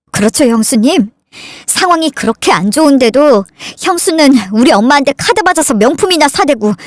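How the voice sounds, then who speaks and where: A woman's voice: high voice, dry recording. Woman reading as resentful younger son, accusing, bitter edge, close dry mic. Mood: sarcastic. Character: resentful younger son, grown man, fed up. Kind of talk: dramatized story reading.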